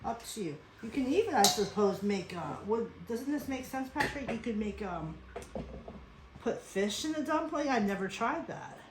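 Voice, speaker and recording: A woman's voice: on the high side, lively intonation, normal speed. Chatty woman hosting a cooking demo. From born in South Korea, raised in Western Pennsylvania. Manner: chatty, rambling, addresses viewers as folks. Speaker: cooking show host. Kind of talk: casual cooking demonstration. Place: home kitchen. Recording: echoey room, faint noise.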